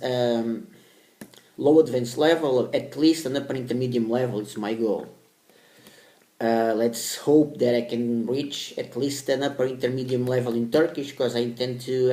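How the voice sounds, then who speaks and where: With a medium-pitched, dark voice, this Portuguese-speaking vlogger chats to the camera in English in a hesitant, repetitive way. The recording has room echo.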